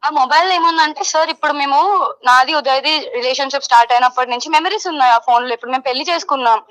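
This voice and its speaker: Young woman, high pitch, quick pace, loud insistent delivery, repetitive, English mixed in, heated caller. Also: poor audio. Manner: loud, insistent, repeats herself. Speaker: caller giving her side of a dispute. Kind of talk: heated phone interview, Telugu mixed with English.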